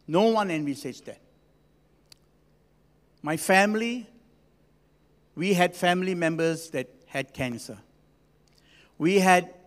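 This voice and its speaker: A man of sixty preaching as a senior pastor in a conversational, gently humorous way, with emphatic pauses. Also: on the high side. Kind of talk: sermon to a congregation. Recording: long hall reverb.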